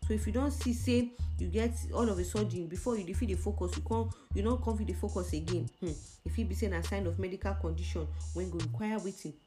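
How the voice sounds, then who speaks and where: A woman's voice: medium pitch, fast talker, hardly any pauses, music in the background. A woman with a Nigerian accent speaking Nigerian Pidgin, presenting a conversational health explainer in an emphatic way, posing questions to the listener and answering them.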